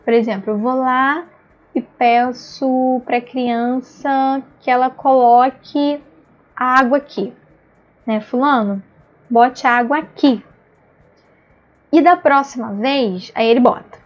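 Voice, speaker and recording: A woman with a Brazilian Portuguese accent gives an online lecture, chatting with her listeners and often checking that they follow. Her voice sits a bit high. The recording is dull and lo-fi. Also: measured pace. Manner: conversational, keeps asking "né?". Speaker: instructor.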